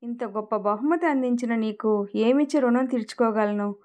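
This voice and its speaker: A woman voicing an emotional young pregnant wife who speaks softly in an audio story. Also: on the high side, normal speed, lightly acted. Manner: emotional, soft.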